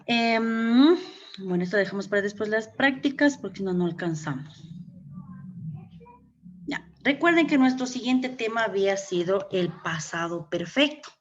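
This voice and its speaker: A woman's voice: medium pitch, animated, measured pace. A woman teaching English grammar in Ecuadorian Spanish during an online class, explaining step by step and checking in with "okay?". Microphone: computer mic on a video call. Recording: dull lo-fi video call audio.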